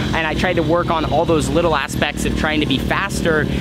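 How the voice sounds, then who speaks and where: This man's voice has a dry sound with no echo, though loud background noise fills the clip. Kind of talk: casual vlog chat. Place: open country. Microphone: phone near.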